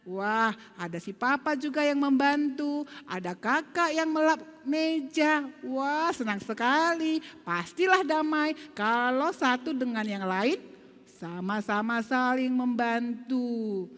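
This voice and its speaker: A woman leads a children's Sunday school lesson in a church. She coaxes the kids with lively questions, and her voice carries a long reverb from the church live stream. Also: sits high. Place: church hall.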